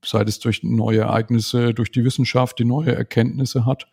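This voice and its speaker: A man in his forties, a podcast guest, talking in a thoughtful, measured way and often ending remarks with a questioning tag. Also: mid-range voice, level tone, vocal fry, a little mellow, slightly rough. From Germany. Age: 40s. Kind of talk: casual conversational interview.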